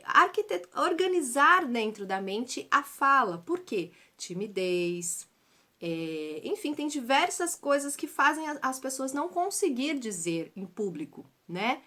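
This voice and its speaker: A woman's voice: fairly high pitch, sharp tone. A woman from Brazil giving a chatty theater lesson, explaining with many fillers and tag questions. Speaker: theater teacher.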